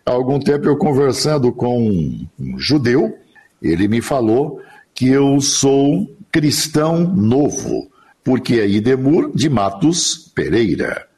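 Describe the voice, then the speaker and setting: An older man from the interior of São Paulo, a radio announcer telling his life story in a relaxed, chatty interview over a remote link. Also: medium pitch, takes it slowly, slightly rough. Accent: Brazilian Portuguese, São Paulo interior. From interior of São Paulo state, Brazil. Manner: chatty, laughs easily, rambling anecdotes. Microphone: remote online recording.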